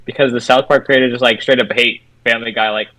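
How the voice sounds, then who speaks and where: A man's voice: medium pitch, steady tone, fast, bright, forceful tone, no room sound, rough recording. A young man co-hosting a podcast, chatting casually with lots of fillers. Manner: laid-back, filler-heavy. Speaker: podcast co-host. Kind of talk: casual chat.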